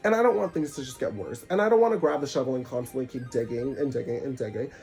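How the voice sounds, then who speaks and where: A man's voice: mid-range voice, quick pace, gravelly, soft background music. Congested young man preaching spiritual advice. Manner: animated, preachy, sarcastic asides. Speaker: vlogger. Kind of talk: casual spiritual advice monologue.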